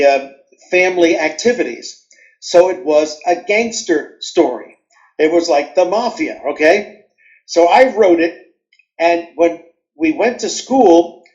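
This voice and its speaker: A New York man with a New York accent answers interview questions by telling childhood stories, animatedly acting out scenes as he goes. His voice is a little high and the audio is dull.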